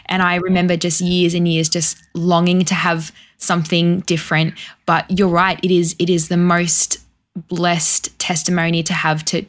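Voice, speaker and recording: A woman's voice: lowish voice, flat delivery, moderate pace. A woman hosting a faith interview, asking questions and affirming her guest. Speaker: guest host.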